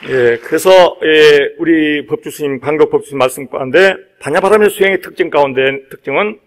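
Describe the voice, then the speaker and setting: A man with a notably high voice gives a Buddhist sermon as a monk. He stresses key phrases by repeating them and slips into conversational asides, checking that his listeners follow. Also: brisk. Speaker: Buddhist monk giving a dharma talk.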